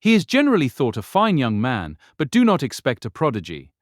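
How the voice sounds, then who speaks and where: Sanguine older gentleman, very animated pitch, rambling, effusive, dry close sound, period audiobook drama. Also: brisk, no echo. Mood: eager, hopeful. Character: cheerful, talkative older gentleman, proud sanguine father. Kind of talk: full-cast audiobook period drama acting.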